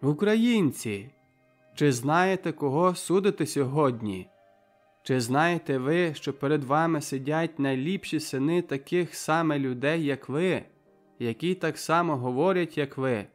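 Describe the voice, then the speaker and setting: A man reading the part of a tall young captured soldier, speaking in a sharp, impassioned voice in an audiobook. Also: fairly high pitch, a little slow, soft background music, lightly acted. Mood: defiant pleading. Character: fiery tall young male soldier prisoner. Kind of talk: audiobook character voice.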